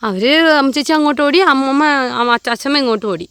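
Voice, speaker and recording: A woman's voice: high-pitched, expressive, fast, a bit bright, no room sound. A woman chatting to viewers while climbing a hillside plantation with her small daughter, a little out of breath. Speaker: vlogger and mother. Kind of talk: casual vlog narration while walking.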